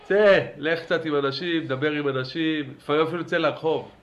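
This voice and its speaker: A man teaching a religious class in a lively lecture style, urging his listeners on and asking them questions. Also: a little high, muffled recording, noisy background. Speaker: Torah teacher.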